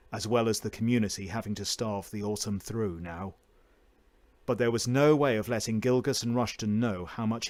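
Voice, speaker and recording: A man narrates a short story in a fairly low voice. His delivery is theatrical and emphatic, shaped like a voice-over performance. The recording is close and dry, with very little room sound. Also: no echo. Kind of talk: dramatic fiction narration.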